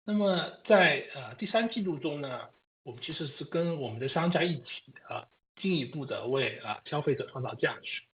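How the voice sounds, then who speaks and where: A man, a company executive, giving formal answers phrase by phrase with halting delivery. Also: a little high, expressive. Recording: dull lo-fi conference line.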